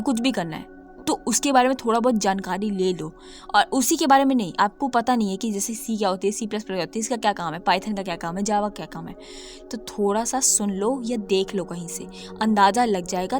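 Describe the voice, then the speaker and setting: Woman tutor with a slightly hoarse throat, emphatic and repetitive, over soft background music. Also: medium pitch. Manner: emphatic, repeats points, mixes English terms into speech. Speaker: coding tutor. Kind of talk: casual talk-to-camera lesson.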